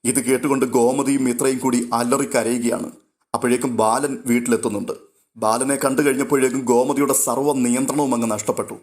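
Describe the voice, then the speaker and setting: Fast-talking male storyteller. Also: mid-range voice, fairly even intonation. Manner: rapid dramatic retelling. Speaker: narrator. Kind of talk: serial recap storytelling.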